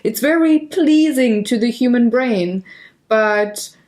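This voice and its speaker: A woman's voice: a little high, slow, a little mellow. A woman with a German accent hosting a board game podcast in a playful, self-mocking way, fighting a cough. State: coughing, using cough drops. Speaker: podcast host. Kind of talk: casual chat.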